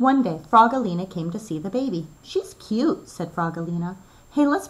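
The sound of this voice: Lively intonation in an unforced reading voice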